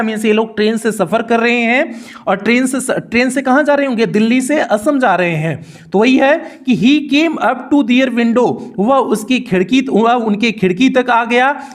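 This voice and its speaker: A man with a North Indian accent teaching a textbook lesson, reading each phrase and then repeating its meaning slowly. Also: very high-pitched. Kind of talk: bilingual line-by-line textbook explanation.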